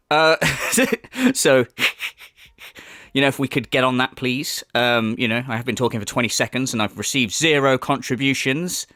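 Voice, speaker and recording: A man's voice: mid-range voice, pushed and bright, dry recording, clean studio sound. Sarcastic man with a slight cold. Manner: sarcastic, mocking, swearing, many fillers. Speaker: commentary channel host. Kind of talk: sarcastic commentary vlog.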